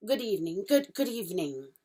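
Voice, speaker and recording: A woman voicing a nervous, polite male fawn who stammers and drops into breathy whispers. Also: on the low side, sing-song, fairly quick, warm tone. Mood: flustered.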